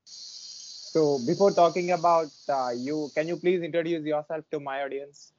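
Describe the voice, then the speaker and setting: A man hosting an interview, asking slow, formal, deliberate questions from outdoors. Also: on the high side, steady tone, darkish tone, highs cut off, a little hiss or hum. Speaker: interviewer, channel host. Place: outdoors, warm weather.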